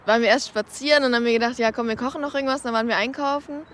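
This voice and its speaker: A woman's voice: a little high, fairly even intonation, rapid-fire, a little hiss or hum. A woman casually telling a personal story, recorded as an amateur voice message. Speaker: listener sending in a story.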